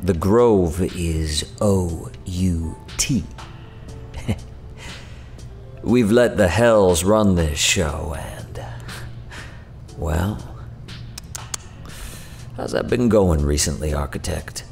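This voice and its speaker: A man's voice: low-pitched, very slow, vocal fry, long pauses, a little mellow, soft background music, exaggerated voice. A man playing a flippant, sardonic envoy of an otherworldly faerie court in an audio drama, with a casual, taunting drawl.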